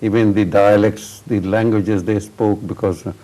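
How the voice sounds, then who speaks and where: A man hosting a television interview, asking questions in an unhurried way with many hesitations. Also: on the low side, fairly even intonation, warm tone, low-quality recording. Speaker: talk show host.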